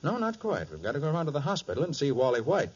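An actor playing a confident, sharp private detective in a 1940s radio crime drama, explaining things in an assured, emphatic way. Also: male voice, a little high, huge pitch swings, very fast, husky, exaggerated voice. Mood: easygoing, teasing. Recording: dull lo-fi 1940s radio recording.

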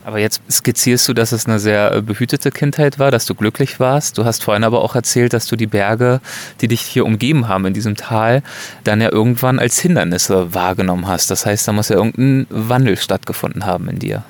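A man interviewing outdoors, calmly describing the scenery and asking open questions. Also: on the low side, brisk. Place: outdoors on a stone in front of a wooden hut.

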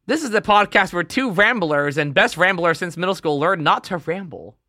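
A young adult man co-hosting a casual podcast, teasing and wry with deadpan jokes. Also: high-pitched, moderate pace, dry recording, clean studio sound. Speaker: podcast co-host. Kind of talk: casual chat.

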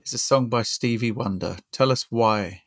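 A man hosting a podcast interview, putting measured questions to his guest. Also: medium pitch, a bit bright, no room sound, studio quality. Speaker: podcast host.

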